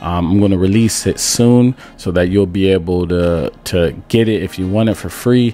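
Over faint music in the background, a man speaks at a moderate pace with a very deep, low pitch and fairly even intonation, the sound dry with no echo. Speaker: baseball hitting coach. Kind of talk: tutorial. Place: home room. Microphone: studio mic.

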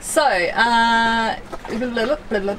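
A woman at a moderate pace over noticeable background noise. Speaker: sailing vlogger. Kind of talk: Q&A answers, casual vlog chat. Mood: relaxed, cheerful. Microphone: camera far.

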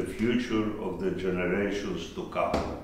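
A man's voice carries audible room echo. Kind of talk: formal address. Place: church.

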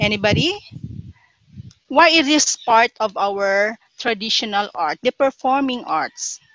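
A woman with a Filipino accent speaks at a fairly slow pace in a fairly high voice, her intonation lively. Long pauses come often, and the sound is dry with no echo over a quiet background. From Philippines. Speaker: teacher. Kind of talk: online class lecture. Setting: online class. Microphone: webcam.

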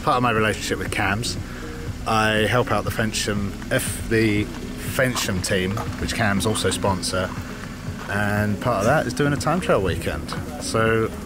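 Clear music plays behind a man speaking at a fairly slow pace. The sound is dry with no echo, and his pitch varies in an ordinary way. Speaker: cycling vlogger, coach. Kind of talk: casual vlog chat. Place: street. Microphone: phone near.

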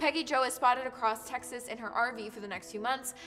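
Over clear background music, a woman speaks at a fairly quick pace. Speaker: true crime storyteller host. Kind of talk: storytelling narration. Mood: animated, playful storytelling. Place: kitchen.

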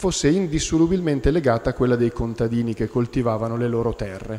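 A man's voice, dark and mellow in tone, moves along at a fairly quick pace. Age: young. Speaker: linguistics professor. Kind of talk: lecture. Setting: conference hall. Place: hall.

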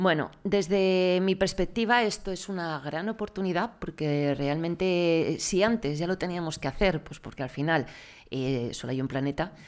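A woman in an ordinary speaking voice, fairly low in pitch, at a moderate pace with ordinary pitch variation and a quiet background. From Madrid, Spain; Spain. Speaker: sustainable fashion consultant and moderator; moderator. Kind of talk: conference talk. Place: meeting room. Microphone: podium.

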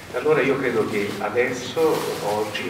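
A man is heard with audible room echo. Noticeable background noise runs underneath. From Italy. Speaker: museum curator, moderator. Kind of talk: moderated panel introduction. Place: hall. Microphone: pa.

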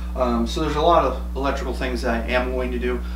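Noticeable background noise runs under the recording. A man speaks fairly quickly in a very deep, low pitch. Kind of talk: tutorial. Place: home room. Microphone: camera far.

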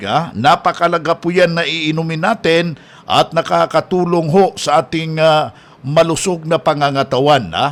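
With music in the background, a man speaks fairly slowly at a high pitch with ordinary variation. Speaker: radio health program host. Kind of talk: radio health program. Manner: halting with many fillers.

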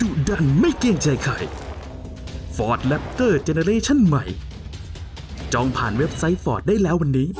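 A man at a fairly high pitch with very wide pitch swings and very even loudness, music in the background. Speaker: voice actor. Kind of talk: TV commercial read. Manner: cool, fierce, aggressive.

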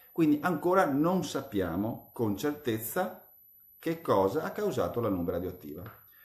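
Speaking at a fairly slow pace, a man has a fairly high voice with vocal fry. His pitch swings very widely. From Veneto, Italy. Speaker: politician. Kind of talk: live-streamed political update. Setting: live video stream. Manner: hesitant with fillers.

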